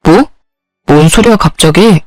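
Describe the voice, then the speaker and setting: A woman's voice: fairly low pitch, a little slow, darkish tone, no echo, faint music behind, natural voice, rough recording. Woman reading a curt irritable husband, dismissive, storybook narration. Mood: irritated. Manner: curt, brushing off.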